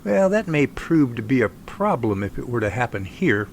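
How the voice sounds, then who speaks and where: A man playing an eager, friendly researcher in an audio drama, with a creaky voice and a chatty, enthusiastic manner. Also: mid-range voice, very animated, moderate pace, a little hiss or hum. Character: eager, friendly Sasquatch researcher named Jerry. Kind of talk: amateur audio drama acting.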